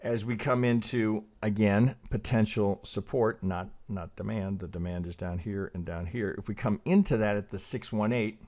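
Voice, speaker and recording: A man's voice: on the low side, moderate pace, few pauses, darkish tone. A middle-aged man hosting a trading channel, talking casually through chart analysis, rambling, swearing and asking "right?" again and again.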